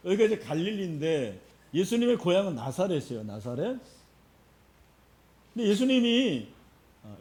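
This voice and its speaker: A middle-aged man preaching a sermon as pastor, explaining the passage and putting questions to the congregation. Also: fairly high pitch. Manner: explanatory, asks the congregation questions, frequent fillers. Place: church sanctuary.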